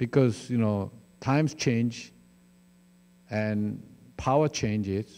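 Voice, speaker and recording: Speaking very slowly with long, frequent pauses, a man with a Korean accent has a dark, mellow, medium-pitched voice and ordinary pitch variation. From South Korea. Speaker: former diplomat; guest lecturer. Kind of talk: lecture Q&A. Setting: lecture hall with audience. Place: hall. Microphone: handheld.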